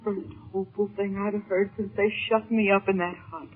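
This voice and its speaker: A woman's voice: medium pitch, level tone, normal speed, slightly rough, close to an everyday voice. An actress playing a frightened, earnest white woman held captive, in a melodramatic 1930s radio serial style. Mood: worried. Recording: scratchy, muffled 1930s radio recording.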